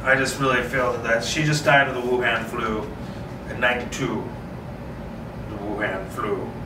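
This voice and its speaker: A man's voice: mid-range voice, steady tone, normal speed. A man reading a screenplay aloud and chatting casually, often repeating himself in a rambling way. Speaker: solo script reader and host. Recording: roomy, distant mic, clearly noisy.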